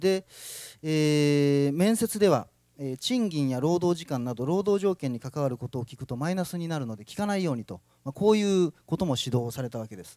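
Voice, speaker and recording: Against a quiet background with dry sound and no echo, a man speaks at a moderate pace in a dark, mellow tone, his fairly high pitch carrying lively intonation and big swings in loudness. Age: 30s. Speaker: city council member. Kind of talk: committee questioning. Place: meeting room. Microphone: podium.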